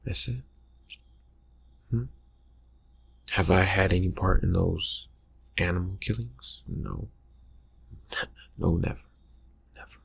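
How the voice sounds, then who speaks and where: Man playing a slow, gravelly, murmuring vampire friend. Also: full character voice. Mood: evasive. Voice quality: breathy, husky, gravelly low murmur. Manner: halting, mumbling, trailing off. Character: brooding, distracted young male vampire friend, slyly teasing. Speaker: ASMR roleplay performer. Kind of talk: ASMR roleplay, improvised soft talk to the listener.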